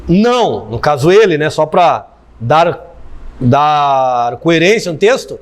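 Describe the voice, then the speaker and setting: A man's voice: a little high, sing-song, slow. A man teaching a theology class, explaining step by step and repeating key phrases for emphasis. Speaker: theology professor. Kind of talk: classroom lecture.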